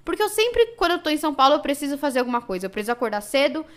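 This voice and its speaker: A woman's voice: high-pitched, racing. Emotional Brazilian woman telling a story. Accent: Brazilian Portuguese. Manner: emotional, animated storytelling with many fillers. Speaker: podcast guest. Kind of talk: casual storytelling chat.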